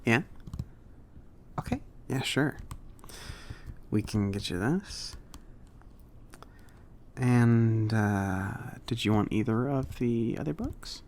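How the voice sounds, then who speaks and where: A man playing a friendly, slightly awkward mage shopkeeper in a soft-spoken, hesitant, casual ASMR roleplay. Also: mid-range voice, takes it slowly, long pauses, slight background noise, natural voice. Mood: accommodating, rambling. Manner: hesitant, rambling, accommodating. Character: friendly, slightly awkward male mage running a magic shop.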